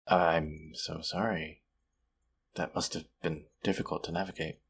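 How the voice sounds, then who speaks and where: A man acting a friendly, sympathetic young man in an intimate, conversational audio roleplay, speaking gently and at times hesitantly. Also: steady tone, measured pace, heavily acted. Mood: gentle, sympathetic. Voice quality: low, gravelly, husky.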